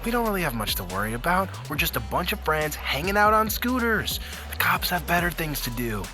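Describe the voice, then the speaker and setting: An actor playing a cocky young scooter racer in an audio drama, breezy, boastful and slangy. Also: male voice, on the high side, big pitch swings, brisk, over music. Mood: amused, dismissive. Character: cocky young male scooter racer, sure he'll win. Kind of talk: acted audio drama dialogue.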